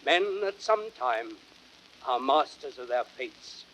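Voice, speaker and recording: A man's voice: medium pitch, expressive, slow, a bit bright. An actor playing a bitter, persuasive, scheming Roman nobleman in declamatory classical Shakespearean style. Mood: impassioned, persuasive. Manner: declamatory, impassioned, rhetorical. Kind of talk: classical Shakespearean radio drama acting. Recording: noisy vintage spoken-word drama record.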